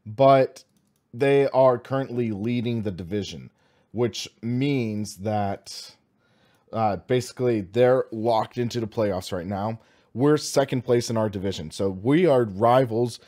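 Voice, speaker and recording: This sim racing livestream host is a young American man whose average-pitched voice carries a slight hoarseness and a warm tone. He moves at a measured pace, sounding casual, upbeat and enthusiastically informal, as though among friends.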